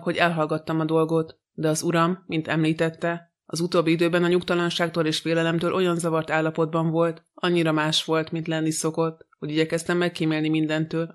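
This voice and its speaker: A man's voice: a little high, monotone, hardly any pauses, natural voice. A man voicing a proud, reserved middle-aged mother in an audiobook, speaking plainly and evenly.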